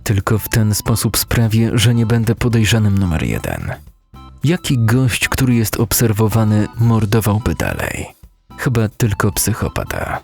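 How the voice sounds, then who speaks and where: A man narrating a dark first-person story as a dramatic, brooding audiobook reader. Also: fairly low pitch, wildly swooping pitch, a little slow, gravelly, soft background music. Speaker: narrator (lektor).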